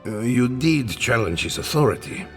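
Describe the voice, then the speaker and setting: A man's voice: medium pitch, expressive, normal speed, fairly bright tone, faint music behind, lightly acted. An actor playing a principled, protective old scholar and mentor, an earnest and courteous man in video game dialogue. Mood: gently chiding.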